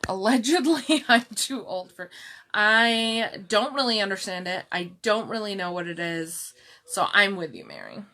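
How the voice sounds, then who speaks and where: A middle-aged woman with a calm, soft-spoken voice, chatting slowly through a live jewelry showcase and answering viewers by name. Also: mid-range voice. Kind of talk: slow live-stream product showcase chat.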